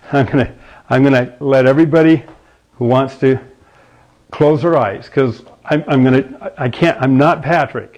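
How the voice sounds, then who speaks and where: A man's fairly high voice at a moderate pace, with fairly even intonation, very even loudness, and long, frequent pauses. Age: 60s. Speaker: fitness instructor. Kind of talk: live stream Q&A. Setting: live video stream.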